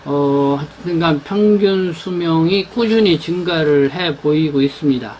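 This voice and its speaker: Halting Korean man presenting a newspaper. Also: fairly high pitch, noisy background. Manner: halting, many fillers and restarts. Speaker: newspaper editor presenting the issue. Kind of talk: unscripted newspaper rundown.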